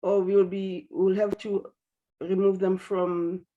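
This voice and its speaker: A woman chairs an online meeting in a chatty, teasing way, often restarting her sentences. Her voice comes through a video call with dull, lo-fi sound. Her pitch sits mid-range for a woman. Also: flat delivery, slow pace, mellow. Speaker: meeting host.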